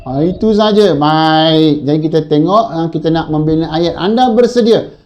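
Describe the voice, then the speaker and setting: A man's voice: a little high, moderate pace, a little mellow. A man with a Malaysian accent teaching a primary school class online, encouraging the pupils and often repeating his praise.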